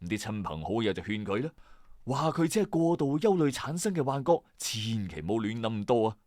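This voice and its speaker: Sing-song and a little fast, this medium-pitched man has a darkish tone, captured at studio quality with no room sound. He hosts a late-night mystery story channel, narrating a scripted true-crime mystery in a Hong Kong Cantonese accent with suspenseful, dramatic flair and colloquial asides.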